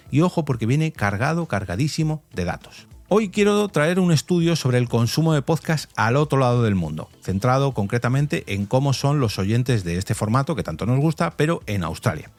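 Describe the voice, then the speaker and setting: A man's voice: medium pitch, a little mellow. A man hosts a solo podcast, explaining things conversationally and adding asides. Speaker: podcast host.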